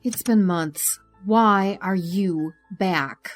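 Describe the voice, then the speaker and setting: A woman's voice: mid-range voice, drawn-out words, soft background music. An actress playing a skeptical woman psychologist with a clipped, clinical manner in an audio drama. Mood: guarded, annoyed.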